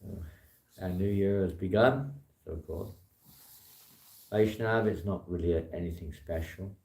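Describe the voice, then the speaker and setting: A man with a hoarse voice giving an informal temple talk with dry, wry humor. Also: deep voice, measured pace, dark tone. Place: temple hall. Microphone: distant room mic, later handheld. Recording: echoey hall from far off.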